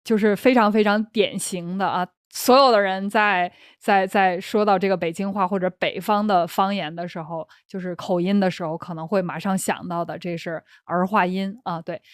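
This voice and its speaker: A woman's voice: mid-range voice, steady tone, moderate pace, hardly any pauses, clear, resonant tone, dry recording, clean studio sound. A young woman with a Beijing accent, hosting and explaining words to learners in casual chat, often laughing. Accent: Beijing Mandarin. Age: young adult. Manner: chatty, breaks into laughter, restarts phrases. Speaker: Chinese teacher and host.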